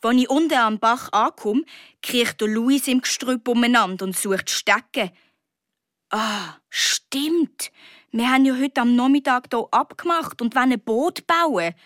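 A woman's voice: fairly high pitch, unhurried, a bit bright, no echo, studio quality. A woman with a Swiss German accent narrating a children's story in the first person as a young girl, earnest and childlike. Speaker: audiobook narrator.

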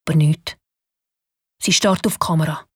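A woman with a Swiss German accent narrating a children's radio play in a lively, expressive way. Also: low voice, normal speed, slightly rough, dry recording, studio quality. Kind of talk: storytelling narration.

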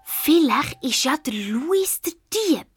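A woman voicing a headstrong, hot-tempered young girl in an audio drama, narrating in a lively, indignant way with a Swiss German accent. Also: high-pitched. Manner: lively, indignant, quick to flare up. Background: faint background music.

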